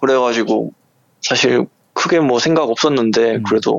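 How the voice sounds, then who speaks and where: A man with a medium-pitched voice talks at a fairly slow rate, and his pitch varies in an ordinary way. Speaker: professional baseball pitcher. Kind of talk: casual interview. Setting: phone call. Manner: laid-back.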